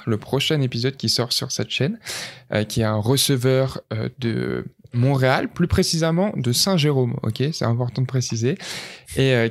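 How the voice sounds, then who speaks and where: A man from France hosting a podcast, chatting casually with playful deadpan jokes and lots of hesitation. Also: medium pitch. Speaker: podcast host. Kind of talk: casual chat.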